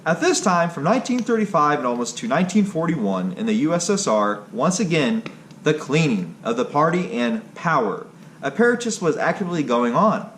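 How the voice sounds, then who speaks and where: A man reading a scripted history narration aloud, somewhat haltingly. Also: a little high, very animated, a bit bright. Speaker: video creator and narrator. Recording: clearly noisy background ambience.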